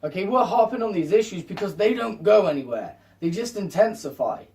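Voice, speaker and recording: A man with a fairly high but mellow voice makes an impassioned, insistent monologue to viewers. He repeats himself for emphasis and sits a little away from the mic. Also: animated, brisk, far from the mic. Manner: insistent, repetitive. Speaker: video host.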